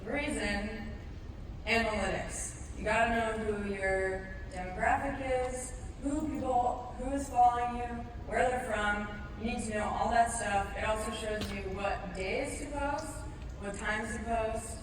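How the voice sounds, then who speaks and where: A woman's voice: fairly high pitch, steady tone, a little slow. A woman gives a conference workshop talk with blunt, irreverent humor and the occasional swear word. She sounds far from the microphone, with a long echo from the room and noise underneath her voice. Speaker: workshop presenter. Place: conference room, speaking to a live audience. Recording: echoey room recorded from far off, noisy.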